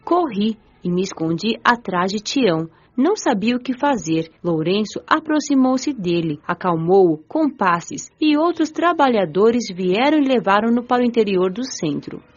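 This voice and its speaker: A woman playing a gentle, playful young spirit who narrates an audiobook drama in an expressive storytelling manner. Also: medium pitch, moderate pace, few pauses. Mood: narrating. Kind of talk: scripted first-person audiobook narration. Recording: dull band-limited audio, faint music.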